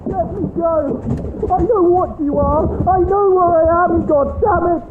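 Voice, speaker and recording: A woman playing a frantic, defiant captive, shouting desperately in an audio drama. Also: very high-pitched, fairly even intonation, measured pace. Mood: desperate, furious. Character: frantic, defiant captive being dragged away. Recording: tinny, thin, noisy recording.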